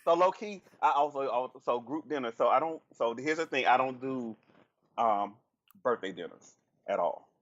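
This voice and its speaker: A man with a Southern US accent, a podcast guest telling frank, crude stories in animated casual chat. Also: mid-range voice, normal speed, lo-fi sound. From Southern United States.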